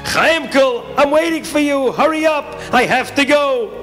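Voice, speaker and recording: Man as a high, hollering, impatient bus driver. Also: fairly even intonation, brisk, soft background music. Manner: shouting, hurrying.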